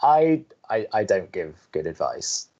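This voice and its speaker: A man's voice: fairly low pitch, very animated, measured pace, darkish tone. A young college radio advice host in an audio drama. He is earnest and easily exasperated, with emphatic, very varied intonation. The audio is a little muffled. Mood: flustered. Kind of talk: bantering audio drama dialogue.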